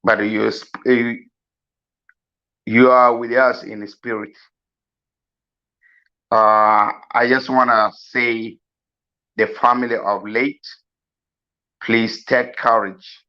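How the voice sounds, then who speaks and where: A man from South Sudan giving a slow, earnest farewell address, pleading with many pauses. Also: mid-range voice, level tone. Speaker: mourner giving a eulogy. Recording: dull lo-fi recording.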